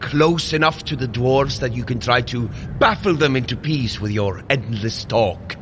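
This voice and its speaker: A man's voice: mid-range voice, normal speed, slight background noise, lightly acted. A man playing a proud warrior thunder god in an audio drama, with formal, archaic phrasing and a dryly teasing manner. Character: gruff, proud god of thunder, adult warrior, wryly exasperated.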